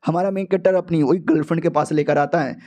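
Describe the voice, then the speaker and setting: Playful high-voiced male manhua narrator. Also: fairly even intonation, fast talker, a little mellow. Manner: playful, slangy, jokey asides to viewers. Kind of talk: comic storytelling with character voices.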